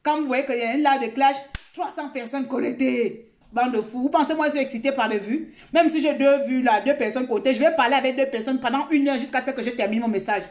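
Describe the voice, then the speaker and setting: A woman's voice: high voice, quick pace, darkish tone. A woman from Gabon doing a casual phone live stream, talking at length and scolding her viewers in a repetitive, chatty way. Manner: talkative, scolding and repetitive, mixing sermon and chat.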